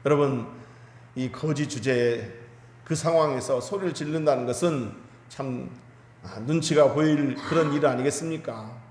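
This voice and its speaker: A man's voice: medium pitch, moderate pace, darkish tone, a little hiss or hum. A man preaching a Sunday sermon as pastor, retelling a Bible story with emphatic, rising delivery. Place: church sanctuary. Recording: echoey church hall with long reverb.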